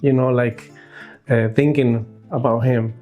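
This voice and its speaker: A man in his sixties from Cuba with a Cuban accent and Spanish as his first language, answering interview questions casually and haltingly as a food truck owner. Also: medium pitch, fairly even intonation, narrow, tinny audio, soft background music. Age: 60s. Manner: halting, searching for words.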